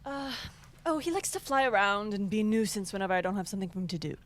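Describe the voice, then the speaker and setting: A woman's voice: mid-range voice, animated, fast talker, a little hiss or hum, close to an everyday voice. A woman playing a comically evil, child-eating witch in a radio play, theatrical and easily flustered. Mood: sly, flustered. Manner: theatrical cackling, flustered asides. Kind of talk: comedic audio drama acting.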